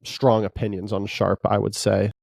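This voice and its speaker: A man hosting a casual sports podcast, relaxed and rambling, with lots of fillers. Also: fairly low pitch, normal speed, vocal fry, dry recording, studio quality. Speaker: podcast host.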